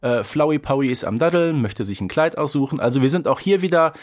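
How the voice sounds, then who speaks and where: A man's voice: a little high, quick pace, dry recording, clean studio sound. A man co-hosting a podcast in casual, colloquial chat, often tagging questions onto his remarks. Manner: colloquial, seeks agreement with tag questions. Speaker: podcast co-host. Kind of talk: casual chat reviewing a story.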